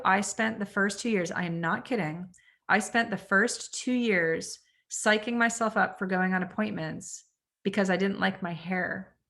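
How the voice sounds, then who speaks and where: A woman's voice: medium pitch, fairly bright tone. A woman leading an online real estate training class, talking candidly and chattily, with lots of "like" and acted-out quotes of herself. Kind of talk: motivational online class talk. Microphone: video call.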